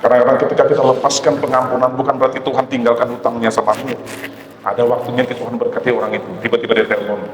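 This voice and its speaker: A man with an Indonesian accent preaching a sermon as pastor, acting out dialogue and sometimes shouting to rouse the congregation. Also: mid-range voice, rapid-fire. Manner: animated, acts out dialogue, shouts to wake the congregation. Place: large church hall. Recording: echoey church hall, faint ambience.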